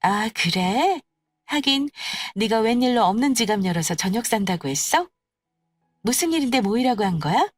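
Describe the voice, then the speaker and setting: 여자가 연기하는 사람 깔보는 거만한 젊은 여자, 변화 큰 억양. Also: female voice, on the high side, animated, dry recording, soft background music. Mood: haughty. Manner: condescending, mocking, drawn-out. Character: snobbish, sneering young woman who belittles her friends. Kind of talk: acted dialogue in an audio story.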